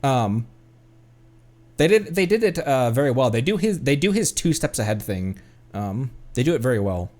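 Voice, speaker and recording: A man's voice: mid-range voice, sing-song, normal speed, a little mellow. A man streaming a game, giving casual, playful, quippy commentary and echoing lines from it. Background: faint game music.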